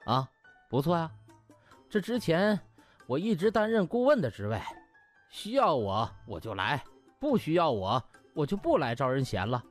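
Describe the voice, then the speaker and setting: Insolent young doctor voiced by a male narrator, flippant, mocking, very animated pitch, comic audiobook. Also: normal speed, faint music behind. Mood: breezy. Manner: taunting, chuckling, flippant.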